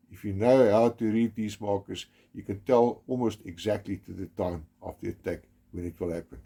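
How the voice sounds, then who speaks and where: Narrating a documentary, this solemn South African man, a first-language Afrikaans speaker, uses a mid-range voice that's dark, mellow and slightly husky. He speaks gravely and measuredly, pressing hard on key words, and restarts now and then.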